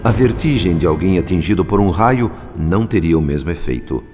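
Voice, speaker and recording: A man narrating a radio drama in a measured, solemn style. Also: low-pitched, lively intonation, big-room sound, music in the background.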